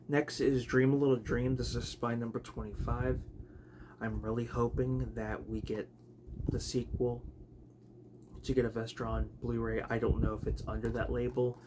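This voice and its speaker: A man chatting casually about his video collection, rambling with many fillers and restarts, his voice a bit raspy. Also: mid-range voice, little pitch movement, measured pace, pauses often. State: raspy, clearing throat. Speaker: home video collector vlogger. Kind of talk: casual unscripted chat. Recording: noticeable background noise.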